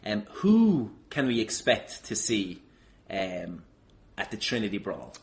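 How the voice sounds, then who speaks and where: A man's voice: fairly low pitch, sing-song, takes it slowly. A man hosting a casual chat interview, speaking informally and a little hesitantly. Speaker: podcast host.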